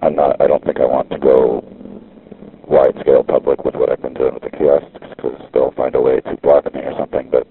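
Man, payphone call, very deep gravelly voice, tinny phone line, halting rambling talk. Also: level tone. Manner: halting, with frequent restarts. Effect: talking over a payphone line. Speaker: caller recording a phone message. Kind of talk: rambling casual monologue. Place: outdoor street payphone.

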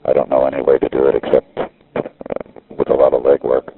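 A man's voice: very deep voice, monotone, phone-quality sound. A man on a street payphone, rambling in a casual monologue and restarting his sentences often, heard through a payphone line. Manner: halting, with frequent restarts. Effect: talking over a payphone line. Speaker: caller recording a phone message.

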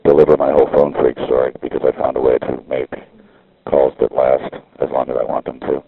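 A man records a phone message from a street payphone, his rumbling low voice creaky with a breathy edge and little pitch movement. The recording is dry with phone-quality sound, and his casual monologue is halting, full of restarts.

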